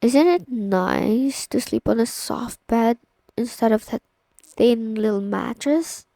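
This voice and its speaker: Girl acting as ur best friend's teasing older sister, young, confident n playful, asmr roleplay, talks real slow, kinda high voice. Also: expressive, creaky, mellow, dry recording, exaggerated voice. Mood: pleased, teasing. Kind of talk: intimate ASMR roleplay, spoken to the listener.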